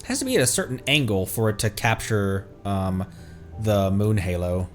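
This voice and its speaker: Low-voiced man streaming a game. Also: animated, normal speed. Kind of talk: casual livestream game commentary. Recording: music playing behind the voice. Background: game music.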